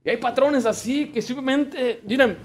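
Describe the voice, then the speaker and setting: A male pastor delivers a fervent sermon. His voice sits high for a man, and he keeps weaving in homely stories from his working days. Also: moderate pace. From United States. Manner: fervent preaching with personal work anecdotes.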